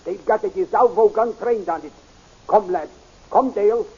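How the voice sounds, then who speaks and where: A man's voice: sits high, normal speed, mellow, slightly rough. An actor playing a grave, fatherly older scientist with formal, stilted phrasing in a 1930s radio serial. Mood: urgent. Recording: muffled 1930s radio recording.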